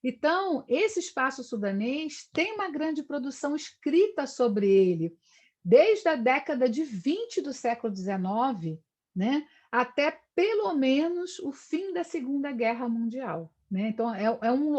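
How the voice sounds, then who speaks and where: This middle-aged Brazilian woman gives a live online history lecture in a high-sitting voice with lively intonation. She speaks unhurriedly in long, discursive stretches, often ending sentences with a questioning "né?"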